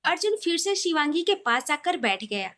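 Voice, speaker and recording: A woman's voice: sits high, very animated, normal speed, fairly bright tone. A woman storyteller reading a scripted romantic story.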